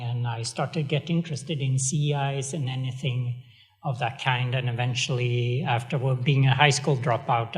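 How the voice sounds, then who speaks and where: Swedish-accented man giving an event speech. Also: medium pitch. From Sweden. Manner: chatty, self-deprecating, many fillers. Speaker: executive director.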